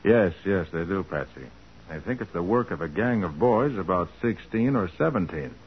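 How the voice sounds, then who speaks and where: An actor playing a resolute, fair-minded private detective with an American accent, firm and earnest in 1940s radio style. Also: male voice, low-pitched, expressive, moderate pace, husky, exaggerated voice. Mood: businesslike. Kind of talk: 1940s radio drama acting. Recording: muffled vintage 1940s radio recording.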